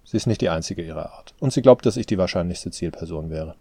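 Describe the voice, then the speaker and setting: A man with a low, dark voice playing a tired adult son who talks tersely and with strain, in an audiobook. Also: fast talker, dry recording. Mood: weary.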